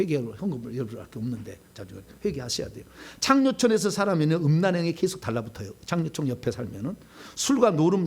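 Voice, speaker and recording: A middle-aged pastor preaching with a husky edge to his voice. His pitch leaps and dips all over as he talks, jumping from loud bursts to quiet asides. The voice sits a little high for a man. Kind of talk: sermon.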